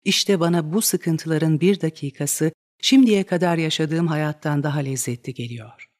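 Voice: mid-range voice, a little slow, darkish tone, lightly acted. A reader voicing a desperate, lovesick young woman in a dramatic reading of a stage play, pleading and crying out in rising outbursts. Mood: despairing.

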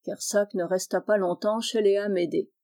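A woman reading a classic novel aloud, narrating steadily and clearly. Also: mid-range voice, steady tone, moderate pace, warm tone. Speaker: audiobook reader.

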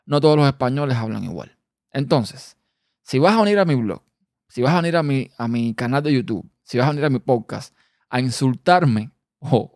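A Cuban-accented man talks through a personal podcast episode on his own. He is a quick talker who now and then stumbles over a word. His voice sits at an ordinary middle pitch in a dry room with no echo. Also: a little mellow. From Cuba. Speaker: podcast host.

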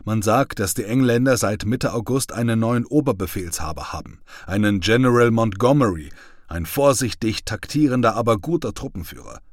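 A man's voice: on the low side, animated, moderate pace, dry recording, clean studio sound. A man reading the part of a friendly, talkative young male soldier. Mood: chatty. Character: chatty young male soldier, lance corporal.

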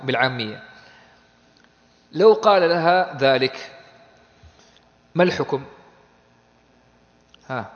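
A man teaching a law text in a classroom lecture. He asks questions, answers them himself, and explains in plain conversational terms. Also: a little high. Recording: dull audio with long hall reverb.

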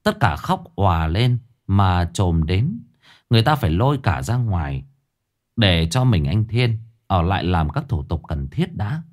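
Lively low-voiced man telling a ghost story. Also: unhurried.

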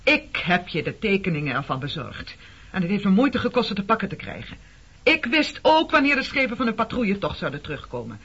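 An actress in a Dutch radio play playing a bitter, defiant middle-aged woman who speaks reproachfully with a sharp tongue. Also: mid-range voice, sing-song, brisk, slightly rough, heavily acted. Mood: defensive. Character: bitter, defiant woman confronting an old comrade. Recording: dull, muffled radio play recording.

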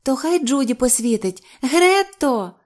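A woman's voice: high-pitched, expressive, a little slow, pitched above the performer's own voice. A woman voicing a capricious young actress who whines, bosses people around and shrieks. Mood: bossy. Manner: whiny, bossy, shrieking.

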